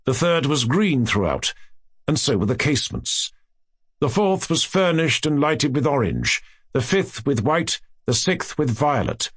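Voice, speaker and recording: A man reading a classic horror tale as an audiobook narrator, in a measured, theatrical storytelling manner with careful phrasing. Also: fairly high pitch, sing-song, fairly bright tone, breathy edge, dry recording, clean studio sound. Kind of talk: dramatic literary horror narration.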